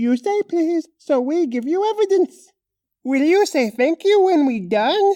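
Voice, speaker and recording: This is a put-on character voice, squeaky and extremely high in pitch. It moves at a fairly slow pace. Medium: audio drama. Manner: childish, broken grammar.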